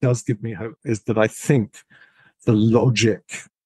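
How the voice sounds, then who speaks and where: A man with a British accent speaks at a fairly slow pace. His tone is dark and mellow, with a dry, close sound and no echo. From England. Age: 60s. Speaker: historian and professor. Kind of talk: interview conversation. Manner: hesitant, many fillers.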